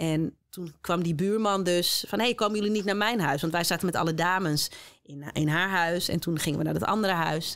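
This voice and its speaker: Over a quiet background, a woman with a plain, everyday voice speaks at a fairly quick pace, with a fairly low pitch and ordinary pitch variation. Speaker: podcast host. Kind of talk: conversational interview. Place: studio. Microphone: studio mic.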